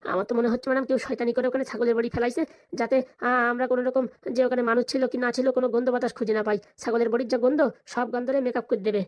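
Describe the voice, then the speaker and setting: A woman voicing a comic, flattering village lackey in a cartoon, deferential and whining in a rural Bengali dialect. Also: a little high, very fast, dry recording, lightly acted. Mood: suspicious.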